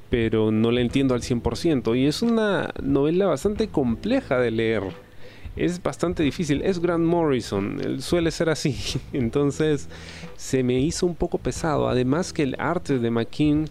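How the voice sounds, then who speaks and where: Man, mellow gravelly voice, reflective comic review, soft guitar music behind. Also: medium pitch. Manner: reflective, tags statements with questioning asides, some hesitant fillers. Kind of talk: casual spoken review.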